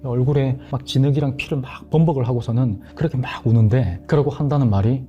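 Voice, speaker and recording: A man telling a ghost story in a hushed, dramatic way on a horror talk show, sometimes dropping to a murmur. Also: medium pitch, fast, muffled recording, soft background music.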